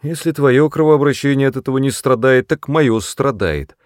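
Narrator plays a brusque, self-important young brother, loud and sharp; dry close read. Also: male voice, mid-range voice, normal speed, no echo, voice pushed up, lightly acted. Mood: gruff. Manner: sharp, snapping, louder than the narration. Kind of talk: audiobook character voice.

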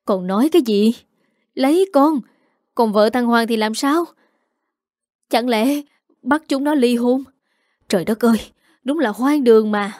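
A woman voicing a stern, furious middle-aged mother who scolds her daughter in sharp rebukes. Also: fairly high pitch, a little fast, no echo, clean studio sound, natural voice. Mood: scolding.

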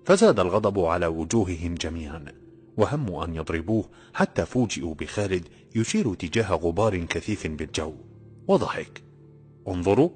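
Deep-voiced man narrating a story. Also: soft background music. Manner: steady, measured storytelling. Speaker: audiobook narrator. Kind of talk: scripted narration.

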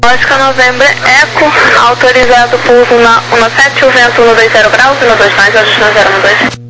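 Higher-voiced Brazilian woman controller, very noisy radio. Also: steady tone, moderate pace. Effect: aviation radio transmission. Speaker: airport tower controller. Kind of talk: radio air traffic clearances.

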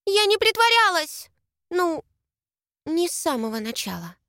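A woman voicing a stubborn, lovestruck ten-year-old girl in an audiobook, with shrill, defiant outbursts. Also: very animated, a little slow, sharp tone, dry recording, studio quality, heavily acted. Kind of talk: audiobook character voice.

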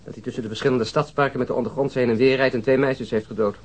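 An actor in a radio drama playing a grumbling police detective, blunt and sarcastic. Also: male voice, mid-range voice, fairly even intonation, rapid-fire, lightly acted. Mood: sceptical. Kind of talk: Dutch radio drama acting.

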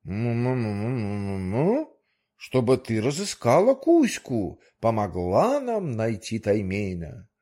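A self-important manager from a storybook speaks slowly, with wide, lively swings in pitch, as a male narrator puts him on. He hums long, musing "m-m-m" sounds before speaking, as if weighing every word. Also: full character voice. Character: humming, ponderous male institute manager, self-satisfied.

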